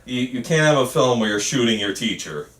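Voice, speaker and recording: A man's voice: mid-range voice, lively intonation, a little fast, fairly bright tone, natural voice. Man reading as a placating teacher, echoey recording. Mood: hesitant, disapproving. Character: placating male teacher urging changes to student film. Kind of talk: amateur screenplay table read. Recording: roomy, noisy, distant mic.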